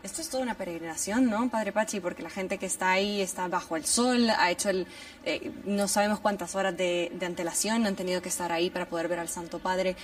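A woman's voice: fairly low pitch, fast, far from the mic. A woman co-hosting a talk show, prompting the guest with friendly questions. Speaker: co-host. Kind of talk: television talk show discussion.

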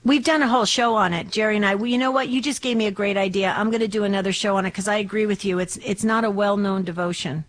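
A woman hosts a faith-centered call-in radio show, talking in a chatty, devout way. Her voice is slightly hoarse, and she restarts her sentences often. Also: mid-range voice, fairly even intonation, quick pace, hardly any pauses.

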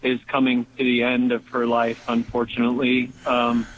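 A man calling in to a radio show, speaking haltingly with many pauses. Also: mid-range voice, monotone, fairly bright tone, a little hiss or hum. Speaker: caller. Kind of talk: phone-in request. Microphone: telephone. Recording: phone line.

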